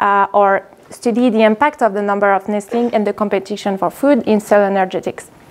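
A woman's fairly high voice with a French accent at a moderate pace. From France. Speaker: PhD researcher in biology. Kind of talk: presentation talk with slides. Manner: halting with frequent fillers. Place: hall.

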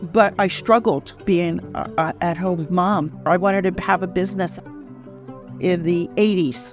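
A woman's voice with music in the background. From Cuba. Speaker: coffee shop owner. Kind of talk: oral history interview answer.

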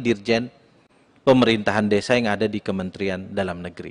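A man's voice over a quiet background. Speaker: parliamentary committee chair; parliament member questioning a minister. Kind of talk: parliamentary questioning. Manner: formal. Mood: earnest, pressing complaint. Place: meeting room.

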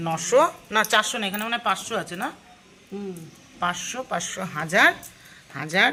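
A woman's medium-pitched voice comes through as music plays behind her. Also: lively intonation, big swings in loudness. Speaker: family vlogger, mother. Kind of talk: casual vlog narration.

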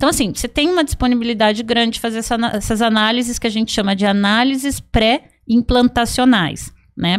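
In a quiet background, a woman with a fairly high pitch speaks at a fairly quick pace with ordinary pitch variation. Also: hardly any pauses. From Paraná, Brazil (Londrina); Paraná, Brazil. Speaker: gynecologist; guest. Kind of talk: interview; interview answer. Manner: halting. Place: studio. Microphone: studio mic.

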